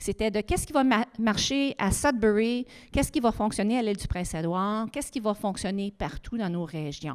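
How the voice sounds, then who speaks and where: With an English accent, a woman speaks at a moderate pace with a fairly high pitch and lively intonation. The recording is very clean, with a silent background. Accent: English-speaking accent in French. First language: English (speaking French). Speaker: swimming official and committee leader. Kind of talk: presentation. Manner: halting, with frequent hesitations.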